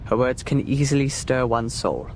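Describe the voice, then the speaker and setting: A man voicing a polite, excitable art enthusiast in a video game, courteous and effusive. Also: medium pitch, normal speed, a little hiss or hum, lightly acted. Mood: wistful, courteous.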